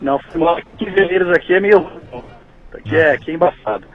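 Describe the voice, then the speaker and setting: Fast-talking São fan in his thirties. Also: a little high, breathy edge, narrow, tinny audio. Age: 30s. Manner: earnest, rambling with restarts. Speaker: caller, football fan. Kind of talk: casual phone-in chat.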